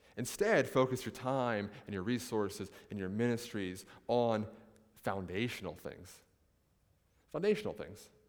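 Talking in an American accent with long, frequent pauses, a man speaks at a moderate pace and a medium pitch with ordinary pitch variation, and audible room echo can be heard. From US South, South Florida. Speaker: pastor. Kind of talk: sermon. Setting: church.

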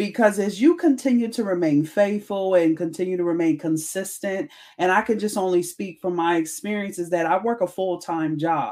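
A woman with an American accent and a dark, mellow tone speaks at a moderate pace with hardly any pauses, her medium pitch showing ordinary variation. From Harrisburg, Pennsylvania. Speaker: podcast host and author. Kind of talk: testimony.

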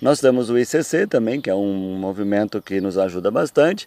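Speaking at a moderate pace, a man with a fairly low pitch and a dark, mellow tone shows ordinary pitch variation in a dry, close sound with no echo. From southern Brazil, Caxias do Sul area (Rio Grande do Sul). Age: 50s. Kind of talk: interview. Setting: recorded at a priests' retreat.

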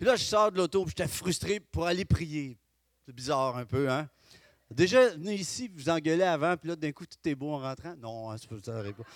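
On a very clean recording with a silent background, a man with a fairly high pitch talks at a moderate pace in an animated tone. His pitch swings very widely and his loudness swings a lot. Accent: Quebec. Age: 50s. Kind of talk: sermon.

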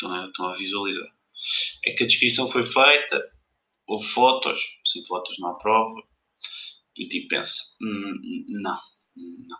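A man speaks at a fairly slow pace. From Portugal, Lisbon. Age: 20s. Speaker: podcaster. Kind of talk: casual monologue. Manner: halting. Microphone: poor sound quality.

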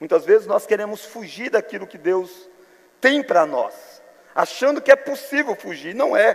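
A man is speaking. Background noise is noticeable. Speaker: pastor. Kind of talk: sermon.

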